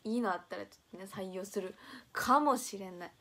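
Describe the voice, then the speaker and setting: A woman's voice: mid-range voice, a little fast, a bit bright. Young woman, Kansai accent, casual livestream chat, reads comments aloud, laughs a lot. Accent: Kansai, Nara. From Nara, Japan. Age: young adult. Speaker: idol livestream host.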